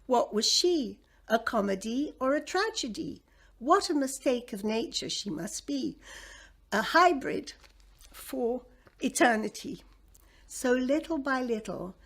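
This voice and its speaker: A woman from Egypt reciting her own poem in a dramatic way, with wide swings in pitch and loudness.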